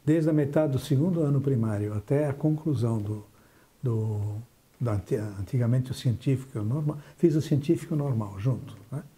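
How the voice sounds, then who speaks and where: Older man with a very dark voice reminiscing. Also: medium pitch, normal speed. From southern Brazil. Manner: reflective, restarts and trails off while remembering. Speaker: interview guest, businessman. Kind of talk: recalling his life in an interview.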